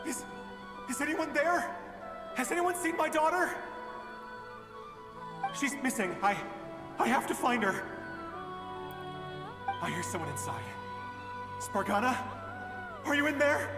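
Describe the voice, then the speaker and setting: A man's voice: very high-pitched, sing-song, a little slow, pauses often, heavily acted. An actor playing a frantic father calling out for his missing daughter in a game, panicked. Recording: echoey hall, heard from far off. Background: game music.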